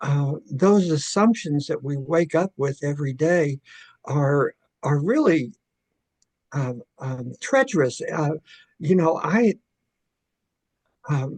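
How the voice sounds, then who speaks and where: The voice is somewhat breathy and moves at a very slow pace with long, frequent pauses and ordinary pitch variation, in a dry, close sound with no echo. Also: man, fairly high pitch for a man. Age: 70s. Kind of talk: panel discussion. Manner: halting, many fillers.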